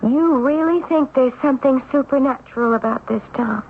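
A woman's voice: sits high, normal speed, slight background noise, natural voice. An actress playing a skeptical, anxious woman, insistent and uneasy, in a radio drama. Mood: wary. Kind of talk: 1970s radio drama acting. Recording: dull old radio recording.

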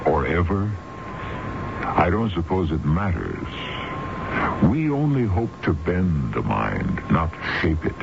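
Male radio host, very low and highly varied pitch, deliberate dramatic delivery, muffled vintage sound. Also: sing-song, creaky, background noise. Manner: theatrical, deliberate. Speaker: host and announcer. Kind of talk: dramatic scripted radio narration. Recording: muffled 1970s radio recording.

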